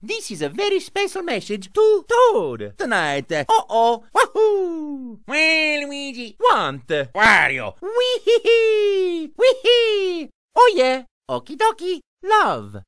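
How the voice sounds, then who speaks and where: A woman's voice: high voice, huge pitch swings, takes it slowly, fairly bright tone, no echo, clean studio sound, exaggerated voice. A woman voicing a cheerful adult male Italian plumber hero in a video game, with an exaggerated Italian accent and a playful, exclamatory manner. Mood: cheery.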